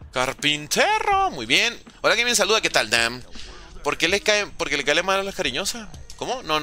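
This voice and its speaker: A man's voice: medium pitch, bright, forceful tone. A man from Venezuela, a gaming streamer chatting casually from home, reading chat aloud and joking with viewers. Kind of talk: casual live-stream chat while playing. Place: at home, room with a window.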